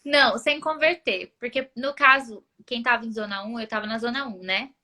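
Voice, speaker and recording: High, bright-voiced young woman telling stories. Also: normal speed. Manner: animated storyteller, voice jumps up when retelling. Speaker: guest. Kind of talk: casual chat.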